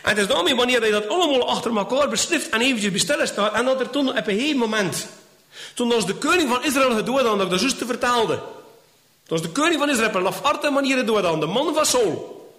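A man's voice: very high voice, animated, quick pace, a bit bright, echoey room. A man teaching from the Bible, retelling scenes in voices and tagging his lines with little questions. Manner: retells scenes in acted voices, with frequent "hè?" tags. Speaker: preacher.

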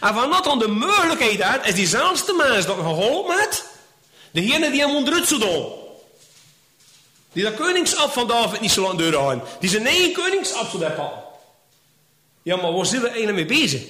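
A man preaches from the Bible with a high voice that leaps up and down as he acts out the story. He keeps checking in with his listeners, and the room around him rings with echo. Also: big pitch swings, normal speed, sharp tone. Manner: retells scenes in acted voices, with frequent "hè?" tags. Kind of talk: Bible teaching, retelling a story.

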